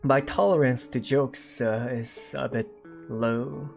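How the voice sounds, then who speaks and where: A man's voice: mid-range voice, steady tone, takes it slowly, creaky, a little mellow, faint music behind. A man in his twenties on a casual livestream, chatting with viewers and reading their comments. He rambles, with many fillers and self-corrections. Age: 20s. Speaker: streamer.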